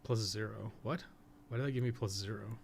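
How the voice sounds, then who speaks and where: A man's voice: lowish voice, steady tone, fairly quick, gravelly, slight background noise. A man doing casual livestream commentary on a video game, rambling and muttering his thoughts aloud as he plays. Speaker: host of a game guide livestream.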